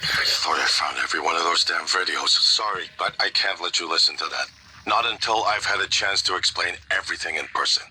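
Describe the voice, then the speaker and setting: An actor playing a guarded scientist who speaks in a hushed, hurried, apologetic way in a video game. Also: male voice, deep voice, a little hiss or hum, low-quality recording. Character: older brother scientist, guarded, apologetic, urgent. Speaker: game character. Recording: game audio with faint music.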